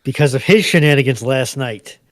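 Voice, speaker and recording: Measured man explaining, mid-pitched. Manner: measured, careful, pausing to qualify statements. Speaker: panelist on a live history discussion. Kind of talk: conversational explanation.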